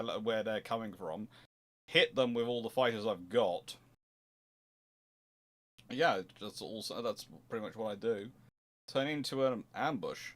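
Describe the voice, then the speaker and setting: A man with a mid-pitched voice hosts an informal history Q&A stream. He talks conversationally and haltingly, leaning firmly on key words as he explains. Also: a bit bright. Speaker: host answering viewer questions.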